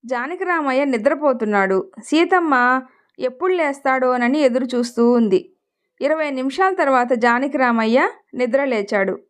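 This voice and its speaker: A woman with a high, light voice and a Telugu accent tells a family story in a gentle storytelling tone. She slips into the characters' lines briefly without changing her voice much. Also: animated, moderate pace, clean tone. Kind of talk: storytelling narration with acted dialogue.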